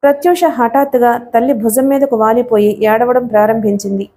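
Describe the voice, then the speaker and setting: A woman narrating a novel as an audiobook reader, in a steady, expressive storytelling manner. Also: a little high, brisk.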